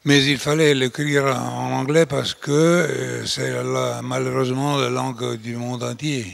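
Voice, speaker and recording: A man's voice: mid-range voice, flat delivery, unhurried, creaky, dry recording. An older man from Italy speaking French with an Italian accent, giving a lecture with many fillers and restarts. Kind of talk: closing lecture.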